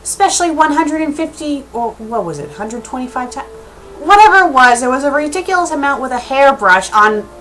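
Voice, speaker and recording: A woman's voice: high-pitched, expressive, brisk, fairly bright tone, rough recording. A woman giving a casual video message as an online critic, speaking in an emphatic, indignant way. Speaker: online fan fiction critic.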